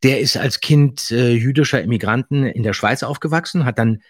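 A man co-hosting a podcast, talking enthusiastically and casually about a radio drama. His voice is somewhat husky and sits at a middle pitch. The sound is dry and close, with no room echo. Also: normal speed. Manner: enthusiastic, anecdotal. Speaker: podcast host reviewing radio plays. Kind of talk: casual chat.

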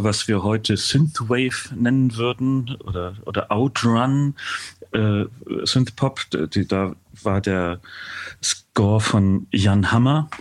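Middle-aged man with a lower voice, deliberate. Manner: hesitant, deliberate phrasing with frequent pauses. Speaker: interview guest, composer and music producer. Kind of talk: reflective interview answer, recounting past work.

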